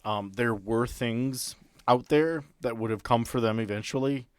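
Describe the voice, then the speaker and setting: A man acting as game master on a podcast, explaining and narrating off the cuff with halting sentences. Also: mid-range voice, clean tone, dry recording, studio quality. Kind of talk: improvised narration and table chat for a tabletop game podcast.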